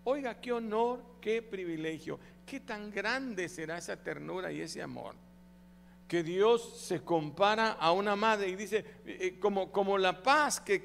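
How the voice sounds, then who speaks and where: Guy preaching in church, lively sermon, slightly high voice, echoey hall w/ a faint hum. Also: creaky. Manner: animated preaching with audience call-outs. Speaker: pastor.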